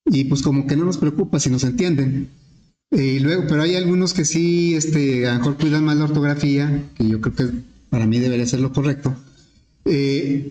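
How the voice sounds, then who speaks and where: A male teacher explaining an algorithm step by step in a relaxed lesson, with frequent fillers. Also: fairly high pitch. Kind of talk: programming lesson. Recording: echoey classroom with faint noise.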